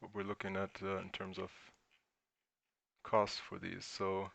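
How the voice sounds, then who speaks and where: Gravelly low-voiced man, thinking aloud. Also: monotone, measured pace, fairly bright tone, dry recording. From Germany. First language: German. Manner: thinks aloud while reading chat questions. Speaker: crypto livestream host. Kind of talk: casual livestream Q&A.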